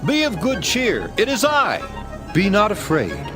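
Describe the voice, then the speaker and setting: A man's voice: high voice, wildly swooping pitch, a little slow, over music, heavily acted. A man playing an assured, commanding holy teacher in a dramatized scripture reading. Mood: reassuring.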